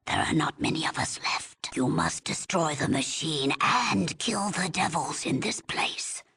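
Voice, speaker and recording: A woman playing a weary, stern old tribal elder in a video game, with a breathy, husky rasp and a solemn, halting, commanding manner. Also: deep voice, sharp tone, a little hiss or hum, full character voice. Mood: weary, grave. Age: older. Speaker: village elder. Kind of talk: dramatic video game voice acting.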